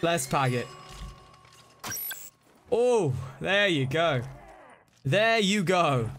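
A man's voice: fairly high pitch, drawn-out words, slight background noise. A young man streaming a zombie shooter, chatting with viewers and losing his voice from the hype. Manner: excitable, chatty, greets chat by name. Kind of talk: live-stream gameplay chat.

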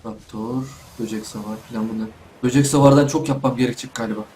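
A man's voice: mid-range voice, steady tone, quick pace, darkish tone, a little hiss or hum. A young man giving casual let's play commentary from home, chatting to himself and the animals in the game. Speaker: gaming YouTuber.

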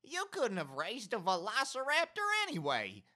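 Guy doing a folksy farmer pops in a comedy audio play, highish, super animated, casual. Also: normal speed, full character voice. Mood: offhand. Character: folksy, easygoing farmer father. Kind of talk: comedic audio drama acting.

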